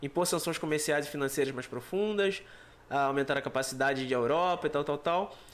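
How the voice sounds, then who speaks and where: Pitched fairly high, a man is speaking. His pitch varies in an ordinary way. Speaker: political commentary youtuber. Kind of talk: commentary reading document aloud. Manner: halting.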